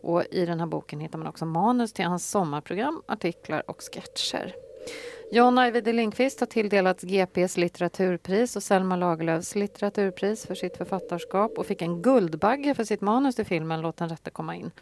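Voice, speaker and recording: A woman hosting a radio book talk, presenting an author and asking calm guiding questions. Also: lowish voice, slight background noise. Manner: composed, asks guiding questions. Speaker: host.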